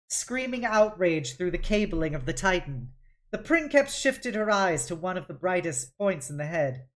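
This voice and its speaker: Casting: female read-along streamer, lower-pitched voice, dramatic storytelling delivery of prose narration. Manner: dramatic, with occasional stumbles and self-corrections. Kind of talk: expressive audiobook-style novel reading.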